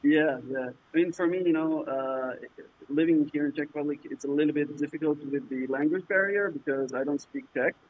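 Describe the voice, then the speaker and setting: A man from Jordan whose first language is Arabic, answering interview questions in a halting way, with many fillers and restarts. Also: on the high side, a little hiss or hum. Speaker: startup founder, guest. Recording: muffled lo-fi remote audio.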